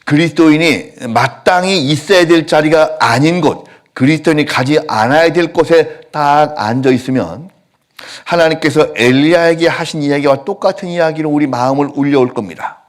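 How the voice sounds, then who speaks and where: A male pastor preaching a sermon in a church, telling stories with lively acted-out quotes. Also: on the high side, normal speed. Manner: animated storytelling, acting out quotes. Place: church sanctuary.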